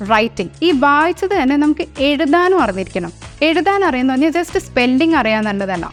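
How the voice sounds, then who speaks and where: A young woman with a Malayali English accent, teaching an exam-prep lesson and switching between Malayalam and English. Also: high voice. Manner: mixes Malayalam with English phrases. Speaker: language trainer. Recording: soft music underneath.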